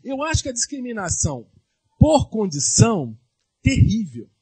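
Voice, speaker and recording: A man's voice: high voice, wildly swooping pitch, moderate pace, warm tone, breathy edge. A man preaching a sermon as a pastor, asking his congregation rhetorical questions.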